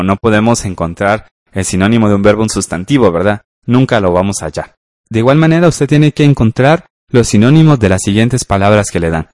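Man, radio teacher, patient and slow, lowish voice, dry sound. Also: darkish tone, no room sound. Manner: patient, slow, asks "¿verdad?" often. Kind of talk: radio school lesson.

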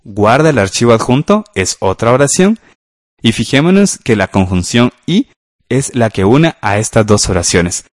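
A man's voice: medium pitch, sing-song, normal speed, dry recording, studio quality. A man teaching a grammar lesson for radio class, patiently walking through exercises step by step.

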